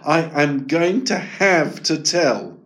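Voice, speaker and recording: A man voicing an anxious, conscientious young boy with a high, hesitant voice. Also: very animated, unhurried, full character voice.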